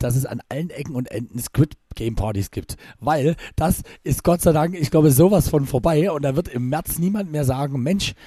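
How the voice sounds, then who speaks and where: A man co-hosting a podcast in casual chat, with a slightly husky voice, rambling with many restarts and fillers. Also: a little high, mellow, no echo, studio quality. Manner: rambling, restarts often with filler sounds, chuckles. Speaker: podcast co-host and DJ.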